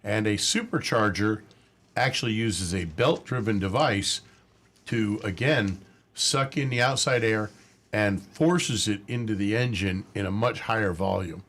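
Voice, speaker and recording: A man answering a caller's car question, explaining engine parts clearly and step by step. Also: on the low side, a little slow, fairly bright tone. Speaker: automotive expert. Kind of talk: technical explanation.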